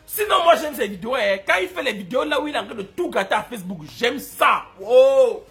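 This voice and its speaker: A man doing comic commentary as a YouTuber, excitable and mock-adoring, breaking into shouts. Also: extremely high pitch, brisk, gravelly.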